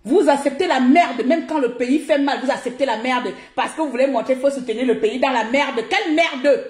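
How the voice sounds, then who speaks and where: A woman with a Cameroonian French accent rants through a live stream, blunt and mocking. Her voice sits fairly high. The room around her rings with echo. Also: a little fast, darkish tone. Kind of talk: ranting live commentary.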